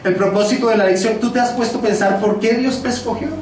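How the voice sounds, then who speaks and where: A man's voice: sits high, steady tone, fast, a little mellow, slight background noise. A man preaching an expository sermon as pastor, emphatic and repeating key phrases for stress. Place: church sanctuary. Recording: echoey church hall, mic from a distance.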